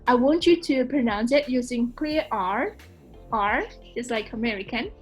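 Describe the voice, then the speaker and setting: Indonesian woman hosting, high bright voice, chatty, laughs a lot, light music under. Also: lively intonation, measured pace, slightly rough. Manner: chatty, bubbly, lots of fillers and laughter. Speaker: host. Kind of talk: casual interview questions.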